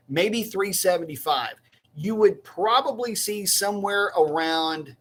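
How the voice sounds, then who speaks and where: A man's voice: on the high side, a bit bright. Rambling, folksy live-stream host, a man. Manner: rambling, self-correcting, folksy. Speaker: livestream host. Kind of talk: casual live-stream chat.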